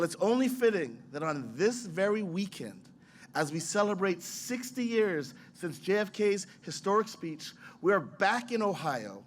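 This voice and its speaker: A man's voice: high voice, a little hiss or hum. Man giving a rousing ceremonial speech. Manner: rousing, storytelling oratory. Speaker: science museum president.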